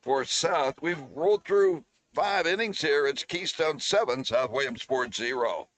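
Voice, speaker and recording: A man doing relaxed play-by-play commentary on a youth baseball game, trading jokes with his co-host. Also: a little high, unhurried. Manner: relaxed, joking banter with co-host. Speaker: play-by-play announcer.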